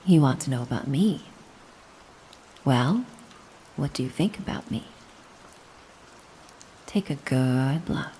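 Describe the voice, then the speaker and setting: A woman playing a gentle, doting, mysterious caretaker in a soothing hypnosis roleplay, coaxing and reassuring the listener. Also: a bass voice, lively intonation, slow pace, long pauses, slight background noise, exaggerated voice, low-quality recording. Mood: hypnotic, tender. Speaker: hypnosis audio performer.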